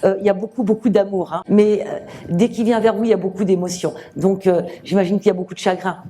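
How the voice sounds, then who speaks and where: A woman medium giving a live reading to an audience, speaking gently with many fillers and restarts. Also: mid-range voice, fairly even intonation, fast. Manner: gentle, reassuring address to the sitter.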